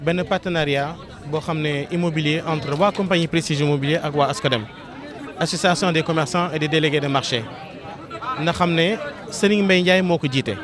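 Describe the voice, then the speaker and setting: High-voiced Senegalese man briefing the press. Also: fairly quick. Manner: earnest, repetitive promotional speech mixing Wolof and French. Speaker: real estate promoter. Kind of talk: press statement to journalists. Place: crowded outdoor tent event. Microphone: several press microphones held close. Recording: noisy crowd around interview. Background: crowd chatter.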